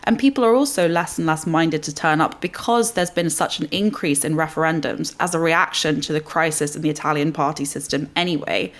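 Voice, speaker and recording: A woman's voice: deep voice, fairly quick, hardly any pauses. A woman speaking as a panellist in a news discussion, articulate and analytical in the way she sets out her points.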